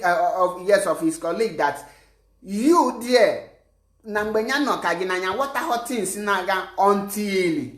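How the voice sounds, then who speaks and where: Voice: mid-range voice, fairly bright tone. A commentator from Nigeria with an Igbo accent, giving impassioned political commentary and switching between English and Igbo mid-sentence. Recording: roomy, echoey sound.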